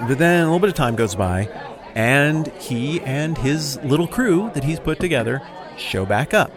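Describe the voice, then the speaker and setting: A man's voice: a little high, natural voice. A man doing an indignant ranting Pharisee. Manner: ranting, defensive, sarcastic. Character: indignant self-righteous male Pharisee. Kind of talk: comic monologue in character.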